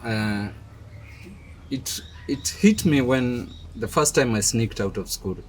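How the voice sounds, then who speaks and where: A middle-aged man from Kenya, a guest in a casual interview, speaking softly and hesitantly and laughing at himself now and then. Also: mid-range voice, slow. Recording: audible background noise.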